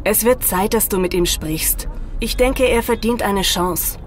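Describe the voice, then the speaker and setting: A woman acting a caring young mother and daughter-in-law in a German audio drama, speaking gently, earnestly and insistently. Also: medium pitch, unhurried, slight background noise, close to an everyday voice. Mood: gently probing.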